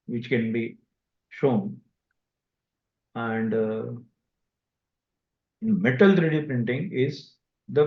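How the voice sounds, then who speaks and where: A man with an Indian accent answering investors as a company executive on a conference call, speaking haltingly with pauses mid-sentence. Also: medium pitch. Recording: dull, echoey conference call audio.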